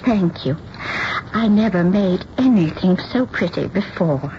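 An actress playing a timid, eager elderly spinster seamstress in a radio drama, hesitant, stammering and childlike. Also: female voice, on the low side, animated, a little slow. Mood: shy, eager. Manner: hesitant, stammering, breathlessly earnest. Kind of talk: old-time radio drama acting. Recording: dull, noisy old radio broadcast.

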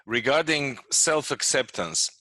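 Bright, dry-sounding interviewer man. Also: mid-range voice, animated, no echo, rough recording. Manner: halting, restarts, asks leading questions. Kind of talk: conversational interview.

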